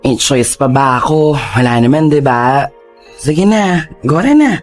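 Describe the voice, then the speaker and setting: Man doing a flamboyant, fussy young gay guy, mid-pitched and dramatic. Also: animated, slow pace, faint music behind. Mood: impatient. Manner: campy, dramatic, slangy. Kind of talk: radio drama acting.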